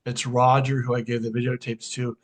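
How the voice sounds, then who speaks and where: On a podcast, a middle-aged sound healer chats about something that happened to him, recounting exchanges as quoted dialogue. He speaks fairly quickly in a mid-range voice with a flat delivery.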